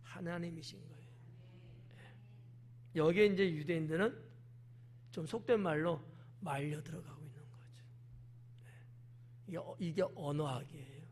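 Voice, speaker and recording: Middle-aged man, pastor, high-pitched voice, chatty sermon with acted-out quotes. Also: normal speed, pauses often, darkish tone, a little hiss or hum. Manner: conversational preaching with acted quotations.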